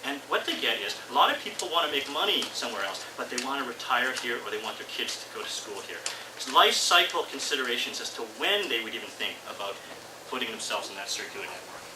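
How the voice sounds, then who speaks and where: A man's voice: medium pitch, expressive, quick pace. A middle-aged man with a Canadian accent giving an informal academic talk, posing rhetorical questions and checking in with his listeners. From Vancouver, Canada. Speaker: university lecturer. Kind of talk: academic conference talk to an audience. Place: indoor seminar room with audience, far camera. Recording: echoey room, distant mic, loud noise.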